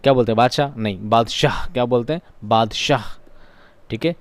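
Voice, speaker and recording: A male teacher with a smooth, clear voice, recorded close and dry. He keeps firing questions at his listeners and answering them himself, going over each term again and again. His carries a flavour. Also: mid-range voice, fairly quick, no room sound. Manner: asks questions and answers them himself, repeats key terms. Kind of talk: classroom-style grammar lesson.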